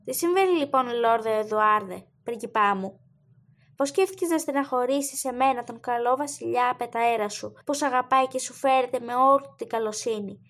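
A woman voicing a stern, ailing, heavyset old king who speaks tenderly and coaxingly to his son, in a lowered voice. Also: a bit bright.

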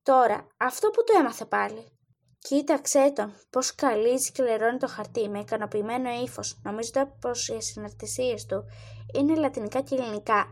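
A woman reading the part of a loyal grown knight in a storybook, thinking aloud and muttering to himself. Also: a little high. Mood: fond musing.

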